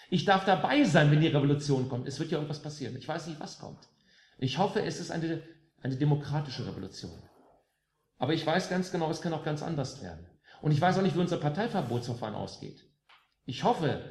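A man from West Germany addressing a live concert audience between songs, speaking emphatically with sarcastic jabs and rhetorical questions. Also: a little high. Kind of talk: rousing political stage speech. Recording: roomy live room with faint music.

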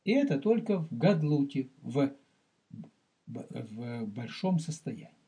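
A man teaching as a rabbi in a recorded religious lecture. He speaks deliberately, addresses the listener directly, and explains and repeats terms for emphasis. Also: medium pitch, very animated, warm tone, slightly rough.

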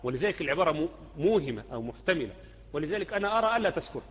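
A fast-talking Egyptian man teaches a religious lesson in a hall with a long, ringing reverb. His voice sits a little high and comes across muffled and dull. He keeps it conversational, tossing questions back to his listeners. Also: very animated. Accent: Egyptian Arabic. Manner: conversational, asks students rhetorical questions. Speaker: Islamic creed teacher.

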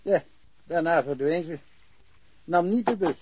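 A small-town cop in a radio play, with a slightly high, mellow voice. He rambles in a wry, dryly humorous way, recorded close and dry. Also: a little slow, slightly rough, no room sound, lo-fi sound. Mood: matter-of-fact. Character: chatty, wry small-town policeman, fed up with paperwork. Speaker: actor in a radio crime drama. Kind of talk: naturalistic radio play dialogue.

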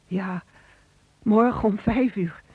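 A woman's voice: medium pitch, slow pace, breathy edge, no echo. Tinny, hesitant elderly woman. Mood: reluctant. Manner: hesitant, polite, grateful. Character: lonely, proud, hesitant elderly woman pensioner. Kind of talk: radio play acting. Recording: tinny, narrow phone-like radio recording.

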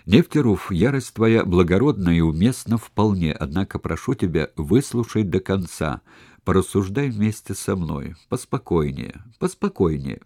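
A man reading an audiobook, voicing a shrewd, cautious conspirator who reasons in a measured, persuasive way. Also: deep voice, warm tone, no echo, studio quality. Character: shrewd, cautious male conspirator, calm schemer.

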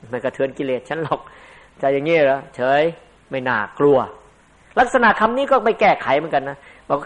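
Older male monk-teacher, sermon delivery, somewhat high voice, conversational with emphatic bursts. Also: sing-song, fairly quick, a bit bright. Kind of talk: dharma sermon.

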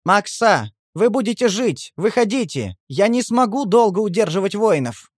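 A man voicing a treacherous tribal chief who calls out loudly in a whining tone. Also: sing-song, normal speed, no echo, studio quality. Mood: wheedling, shouting. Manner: loud, high, whining calls.

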